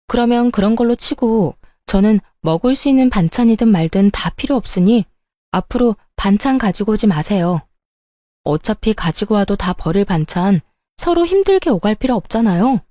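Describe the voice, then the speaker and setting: A defiant daughter-in-law in a family drama story read by a female narrator, firm, sarcastic and confrontational. The voice is mid-pitched and mellow, with an indignant edge to the delivery. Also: expressive, normal speed, no echo, clean studio sound, close to an everyday voice. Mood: cold, firm.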